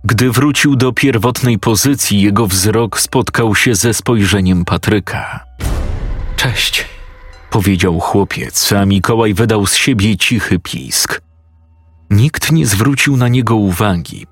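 A man tells a horror story slowly and deliberately, his voice low and husky. The recording is dry and close, with faint music underneath. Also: no room sound. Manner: slow, measured storytelling. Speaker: narrator.

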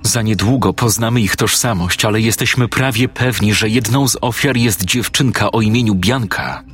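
A steady, persuasive woman detective, read by a man in a crime audiobook. The voice is husky and sits low. Faint music plays underneath. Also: moderate pace. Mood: firm. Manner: calm, firm, persuasive. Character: determined female police detective, adult.

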